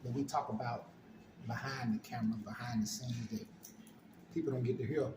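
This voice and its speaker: An African American man hosting a relaxed, informal chat, clearing his throat often, recorded on a phone at home. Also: medium pitch, brisk, reverberant, noisy background. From United States. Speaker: host. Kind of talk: casual conversation.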